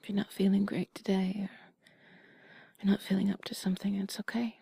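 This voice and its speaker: Woman acting a whispered role-play of a tender, breathy partner. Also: medium pitch, flat delivery, fairly quick, no room sound, clean studio sound, full character voice. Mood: soothing, tender. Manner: gentle, intimate, reassuring. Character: tender affectionate female partner comforting a loved one. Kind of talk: whispered role-play, intimate ASMR comfort audio.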